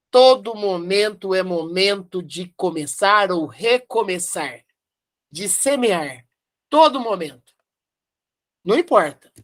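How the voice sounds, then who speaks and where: Slow, lively Brazilian woman teaching. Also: mid-range voice. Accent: Brazilian Portuguese. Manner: emphatic, repeats key phrases, asks rhetorical questions. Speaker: Spiritist study presenter. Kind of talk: devotional study commentary.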